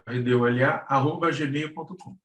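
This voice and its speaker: A man with a Brazilian accent giving a casual explanation as a guest, halting and searching for words, in an echoey room. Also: medium pitch, fairly bright tone. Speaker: guest presenter, radio drama producer, cultural policy consultant.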